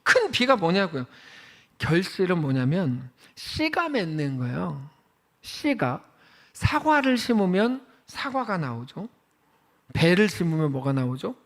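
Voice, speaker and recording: A man preaching a sermon as pastor, chatty and animated, asking the congregation questions and acting out quoted voices. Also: high-pitched, a little slow.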